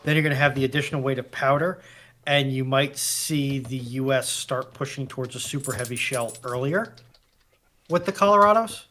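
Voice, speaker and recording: A man's voice: medium pitch, bright, forceful tone. A man on a panel talking through technical naval history in detail, thinking aloud as he goes. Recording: clear background noise.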